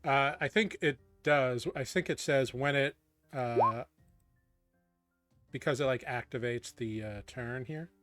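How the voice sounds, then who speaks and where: Male game master narrating, mid-pitched. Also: a little slow, fairly bright tone, no echo, faint music behind. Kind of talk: casual tabletop game narration.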